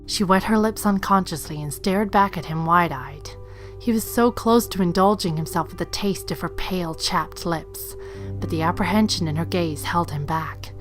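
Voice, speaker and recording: A woman reading scripted third-person story narration as the narrator of an audio drama. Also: fairly low pitch. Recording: faint music behind. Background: faint music.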